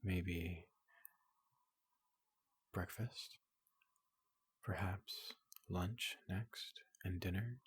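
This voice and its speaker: A man playing a big, gentle robot doctor in a soothing ASMR roleplay, speaking in a hushed, breathy half-whisper with a polite, reassuring manner. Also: sits low, no room sound, exaggerated voice. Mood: gentle, inquisitive. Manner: slow, gentle, reassuring, repeats questions softly.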